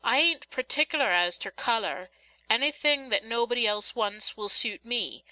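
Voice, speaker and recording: A woman's voice: fairly high pitch, normal speed, bright, forceful tone, dry recording, rough recording. A woman voicing a gloomy, awkward working-class boy with plain rustic dialect, grumbling through his manners in a storybook reading. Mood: stiffly polite.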